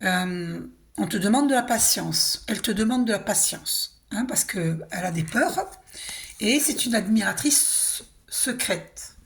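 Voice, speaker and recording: A hoarse woman giving a casual, reassuring spiritual card reading, often clearing her throat and asking "d'accord?". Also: medium pitch, expressive, measured pace. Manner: chatty, reassuring, tag questions like hein and d'accord. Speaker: tarot and oracle card reader.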